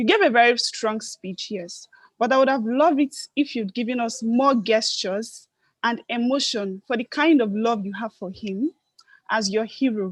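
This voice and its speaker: A woman with fairly high pitch talks at a moderate pace with ordinary pitch variation, in an unremarkable speaking voice. The sound is dry and close, with no echo. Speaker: speech evaluator at a public speaking club. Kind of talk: speech evaluation.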